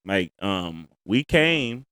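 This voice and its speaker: A man's voice: fairly low pitch, big pitch swings, extremely slow, a bit bright, clean tone, dry recording, clean studio sound. A man with an African American accent talking casually and emphatically on a podcast as a comedian guest, using plenty of slang.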